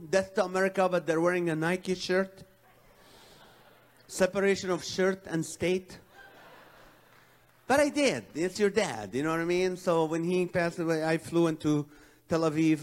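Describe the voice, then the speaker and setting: Middle-aged male comic, stand-up storyteller, self-deprecating, lively delivery, voice a bit high. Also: normal speed. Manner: animated storytelling, self-mocking. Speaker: comedian. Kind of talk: stand-up comedy.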